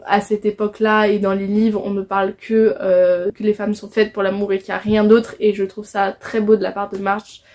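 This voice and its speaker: A young adult woman from France, a book vlogger, chats casually about her reading list in a book haul, hesitating and restarting often. Her darkish, mid-range voice moves little in pitch, and she talks at normal speed with hardly any pauses.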